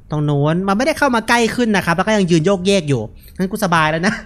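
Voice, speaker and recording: A young man gives casual, joking horror game commentary, relaxed and unafraid, speaking into a headset mic. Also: high voice. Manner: laid-back, joking, unafraid. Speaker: gaming video host.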